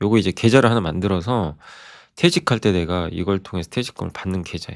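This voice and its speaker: Very fast and very deep in pitch, a man talks with ordinary pitch variation on a very clean recording with a silent background. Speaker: securities analyst and investment educator. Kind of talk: lecture. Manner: casual, conversational.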